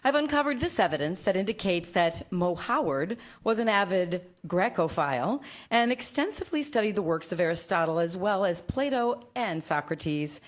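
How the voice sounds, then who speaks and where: A woman's voice: lowish voice, expressive, normal speed, hardly any pauses, close to an everyday voice. A woman playing a prim, pedantic scholar of Greek culture in a staged comedy reading, speaking formally and precisely. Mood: matter-of-fact.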